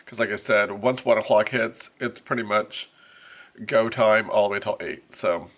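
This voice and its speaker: A man's voice: on the low side, normal speed, fairly bright tone. A man in his forties, a teacher, talking casually to camera in a rambling, chatty way, his voice congested. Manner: rambling, chatty, many fillers. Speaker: first grade teacher vlogger. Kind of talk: casual vlog chat to camera. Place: classroom, then inside a car. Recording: faint road noise.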